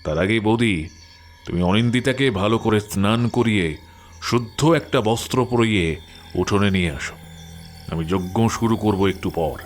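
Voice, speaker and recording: Solemn priest-exorcist acted by a man, low and commanding, audio drama with music underneath. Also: normal speed, close to an everyday voice. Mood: grave, instructing. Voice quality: solemn, grave voice. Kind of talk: dramatic audio story acting.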